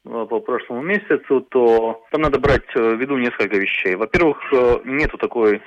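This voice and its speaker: A man explains costs off the cuff, halting and filling gaps with hesitation sounds. The clip sounds dull and lo-fi, recorded dry with no room echo. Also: medium pitch. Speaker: interviewed official. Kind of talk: unscripted explanation.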